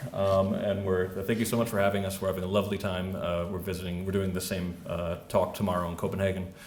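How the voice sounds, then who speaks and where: Very fast and monotone, flat in intonation, a man with a very deep, low pitch and an American accent speaks amid audible room echo and noticeable background noise. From US. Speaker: First Amendment lawyer and free speech activist. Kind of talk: lecture. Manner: halting, many fillers.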